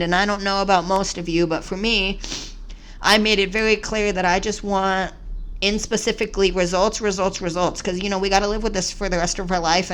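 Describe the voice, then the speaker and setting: A man's voice: high voice, fairly bright tone, smooth. A trans man in his twenties, telling a long story casually to the camera in a chatty, rambling way. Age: 20s. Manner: rambling, chatty, says "y'all". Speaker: vlogger.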